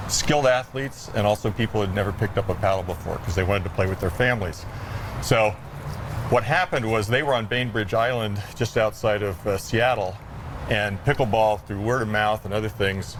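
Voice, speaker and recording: A man's voice: on the low side, background noise. A man speaking as a sports instructor, explaining things informally in a live TV interview. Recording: music playing behind the voice. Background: background music.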